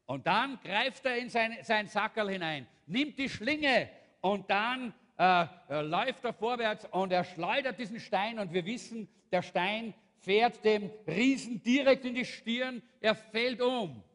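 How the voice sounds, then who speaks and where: A pastor with a high, fairly bright voice preaches a sermon, animatedly retelling a Bible story and acting out the characters. The recording carries long hall reverb.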